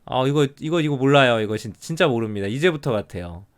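A middle-aged man commentating live on an online Go game. He mutters counts of territory quietly, then breaks out in lively surprised remarks. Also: medium pitch, fast, clear, resonant tone. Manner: counts territory under his breath, then exclaims at turns.

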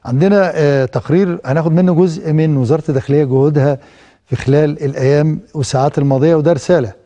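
A man's voice: fairly high pitch, steady tone, very fast, mellow, no room sound, dull audio. A man with an Egyptian Arabic accent, hosting a talk show on location outdoors, upbeat and chatty. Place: outdoors by a fountain in a city square. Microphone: handheld microphone.

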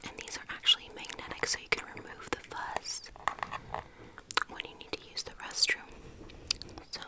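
A woman speaks in a breathy, fully whispered ASMR style. She is very close to the microphone and takes her time, softly presenting items. Nail tapping and crinkling packaging accompany her whisper. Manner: soft, unhurried showing of items up close. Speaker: ASMR host showing a nail collection. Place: small quiet indoor studio with dark backdrop. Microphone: fluffy-covered microphone close in front of her.

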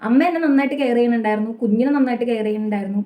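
Young malayali woman rattling off her story fast, kinda high voice, roomy echo. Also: mellow. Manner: earnest, rapid confessional telling with frequent tag "kettō". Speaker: vlogger. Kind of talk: personal storytelling to camera. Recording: echoey room.

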